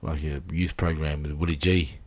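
A man's voice: very deep voice, level tone, normal speed. A middle-aged man with an Aboriginal Australian accent, chatting casually in loose slang and often repeating himself. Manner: slangy, repeats himself, says "bro" and "you know". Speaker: interview guest. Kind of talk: casual chat.

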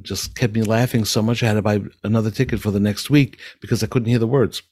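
A man's voice: fairly low pitch, fairly even intonation, quick pace, darkish tone, dry recording. An older man with a nasal voice, a musical director who tells stories with enthusiasm and reflection in an interview. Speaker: musical director and speech therapist. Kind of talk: interview answers.

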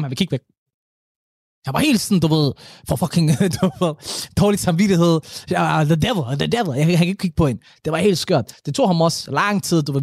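A young man in casual podcast chat, telling stories in an animated, slangy way with a lot of swearing. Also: a little high, dry recording, clean studio sound. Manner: animated, slangy storytelling with frequent swearing and laughing.

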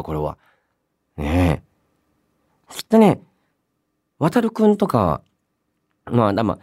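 A man hosting a radio show on his own, reading listener mail and chatting in polite, expressive speech with emphatic reactions and softer asides. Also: fairly high pitch. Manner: polite conversational phrasing.

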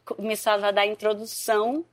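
A stage actress chatting in an interview, telling stories with lots of life and acting out quotes. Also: female voice, medium pitch, fairly quick. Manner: lively storytelling, acts out quotes. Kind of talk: casual interview chat.

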